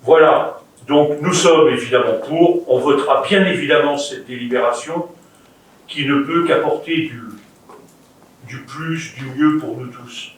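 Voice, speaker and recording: A man's voice: a little high, unhurried. Very echoey French councilman, off-mic. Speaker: local councillor responding at meeting. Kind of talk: formal political remarks at a council meeting. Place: indoor council meeting room. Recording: very echoey meeting room, distant mic, faint noise.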